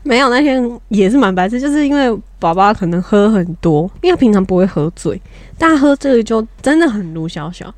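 A woman's voice: a little high, lively intonation, fairly quick, no echo. A young woman with a Taiwanese Mandarin accent who co-hosts a podcast, telling family stories in a blunt, fiery way and laughing as she talks. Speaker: podcast co-host, younger sister. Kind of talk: casual storytelling chat.

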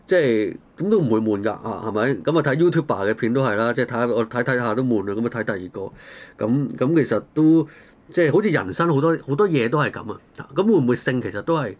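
A man's voice: medium pitch, lively intonation, quick pace. A man with a Hong Kong Cantonese accent hosting a casual discussion, talking colloquially through rhetorical questions and everyday examples. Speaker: talk show host.

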